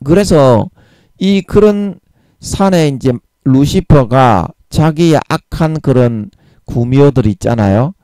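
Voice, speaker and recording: A man preaching a Bible sermon in a blunt, emphatic way, using coarse everyday words and drawing out key phrases slowly. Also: mid-range voice, animated, dark tone, no room sound. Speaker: evangelist preaching.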